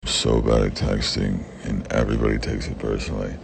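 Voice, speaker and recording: Super deep raspy young guy, gravelly, blunt and sweary, answering fan questions. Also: little pitch movement, a little fast. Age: young adult. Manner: blunt and profane, with frequent swearing. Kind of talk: casual Q&A talk. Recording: background noise.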